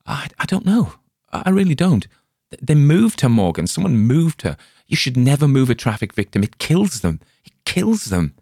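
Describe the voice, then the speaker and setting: A man's voice: lively intonation, moderate pace, a little mellow, dry recording, clean studio sound. A man voicing a nervous, frightened grown man who was shaken after a crash, reading in a dramatic audiobook style. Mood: frantic. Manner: agitated, high-pitched, pleading.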